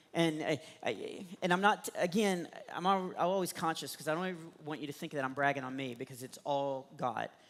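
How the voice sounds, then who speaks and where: A man's fairly high, animated voice with a Texan accent, ordinary pitch variation and a fairly quick pace. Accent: Texan American. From Texas. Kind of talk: stand-up.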